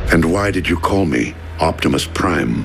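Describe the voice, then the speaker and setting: A man's cartoonish character voice, very deep and low, over clear background noise. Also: moderate pace. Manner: formal, earnest.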